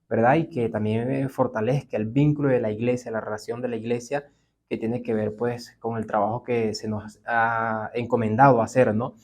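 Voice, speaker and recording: A middle-aged man with a Venezuelan accent speaks as the guest on a church podcast. His talk is unhurried and reflective, full of small fillers and tag questions. His pitch sits at an average height for a man. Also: darkish tone. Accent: Venezuelan Spanish. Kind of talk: relaxed podcast interview.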